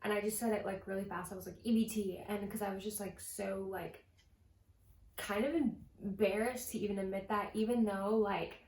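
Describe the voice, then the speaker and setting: A woman's voice: medium pitch, steady tone, normal speed, darkish tone. A young woman vlogger talking casually to the camera about her budget, chatty and full of "like" fillers. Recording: echoey room with faint ambient noise.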